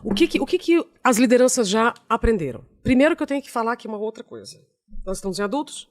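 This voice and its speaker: A woman's voice: fairly high pitch, very animated, fast talker, no room sound, clean studio sound. A woman guest on a podcast, a speaker and author, talking in a chatty, affirming way. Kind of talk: casual conversation.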